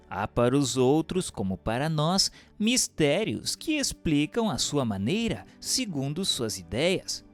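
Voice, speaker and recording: A man with a Brazilian accent reading a doctrinal book aloud as a narrator, in a formal, measured, didactic way. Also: medium pitch. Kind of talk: scripted audiobook narration of a doctrinal text.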